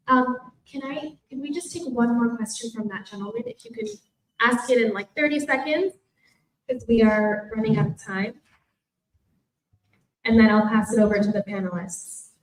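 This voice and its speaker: A woman's voice: fairly high pitch, a little hiss or hum. A woman moderating a conference session, politely thanking speakers and managing audience questions. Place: indoor conference room. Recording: echoey conference room.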